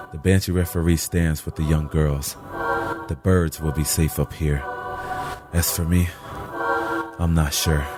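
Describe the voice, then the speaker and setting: Man acting very deep gritty survivor narrator. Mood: grim, reflective. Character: gritty male purge-night survivor narrating a rooftop brawl. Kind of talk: scripted first-person audio drama narration.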